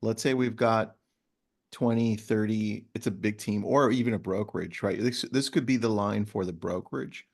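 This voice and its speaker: A man's voice: lowish voice, fairly even intonation, normal speed, gravelly, darkish tone. A man hosting a webinar, enthusiastic and casual, peppering his talk with "right". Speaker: webinar host. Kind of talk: casual chat.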